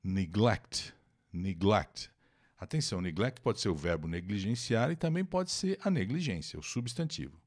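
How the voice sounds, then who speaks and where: A man's voice: fairly low pitch, sing-song, a little fast, hardly any pauses. A man teaching English to Brazilians on a live stream, with a Brazilian Portuguese accent, reading an article and translating it, repeating words and greeting the chat.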